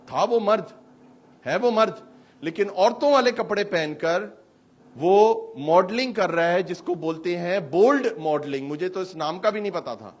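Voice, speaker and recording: A man preaching a sermon to a church hall congregation, animated and full of rhetorical questions. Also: high-pitched. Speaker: pastor.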